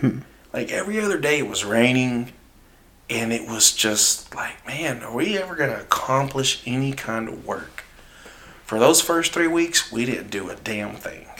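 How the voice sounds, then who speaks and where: A man with a Texan accent speaks at a fairly high pitch and a moderate pace. His pitch varies in an ordinary way, and there is noticeable background noise. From Texas. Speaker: podcast co-host. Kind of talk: casual chat.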